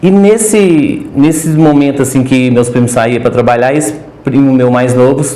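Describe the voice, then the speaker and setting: A man's voice: medium pitch, normal speed, warm tone. Nervous Minas-accented man, echoey room. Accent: Minas Gerais Portuguese. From Brazil. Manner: hesitant, nervous, many restarts. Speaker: podcast guest, pigeon breeder. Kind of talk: casual interview chat.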